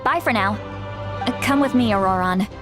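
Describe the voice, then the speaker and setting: A woman voicing a brisk, no-nonsense female tribal leader in a video game, with a casual, businesslike manner. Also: mid-range voice, over music, natural voice. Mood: friendly, confident.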